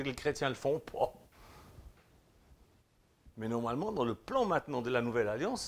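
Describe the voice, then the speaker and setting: Fervent Swiss pastor with a lively pitch. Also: male voice, slightly rough. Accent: Swiss French. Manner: emphatic, exhorting, swings between loud declarations and quiet asides; informal, speaks directly to the listener with tu. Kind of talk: sermon.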